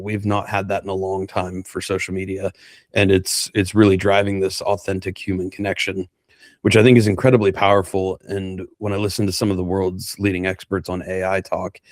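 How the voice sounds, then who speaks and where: A man's voice: low voice, no echo. A man hosting a podcast interview, chatting in an easygoing way and asking open questions. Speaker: podcast host. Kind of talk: interview chat.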